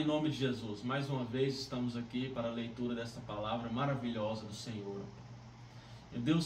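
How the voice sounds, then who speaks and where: A man with a Brazilian accent speaking earnestly as he leads a devotional Bible reading. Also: a little high. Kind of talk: devotional introduction, prayer and Bible reading aloud. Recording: roomy, distant mic, faint background noise.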